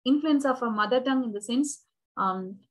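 A young Indian woman with a Tamil first language gives a recorded lecture from a small room into a laptop mic. Her voice sits fairly high, and she explains step by step, repeating and rephrasing with frequent "uh"s. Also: normal speed. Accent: Indian English. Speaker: university English lecturer.

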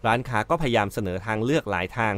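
A man's voice: medium pitch, lively intonation, fast talker, fairly bright tone. A male host giving casual commentary on an article he reads out, chatty, with frequent fillers and self-corrections.

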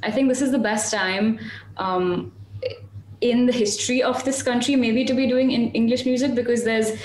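A woman's voice: on the high side, fairly even intonation, moderate pace, darkish tone, echoey room, a little hiss or hum, rough recording. A young woman, a singer-songwriter, chatting casually on a video call from a small room at home, with lots of restarts and fillers. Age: young adult. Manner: chatty, self-deprecating, many restarts and fillers. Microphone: webcam on video call.

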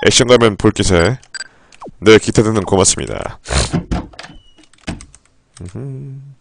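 Male game streamer, live playthrough, swears a lot, reads game text in a flat low voice, very lively pitch. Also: slow pace, gravelly. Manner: profane, with sudden loud outbursts.

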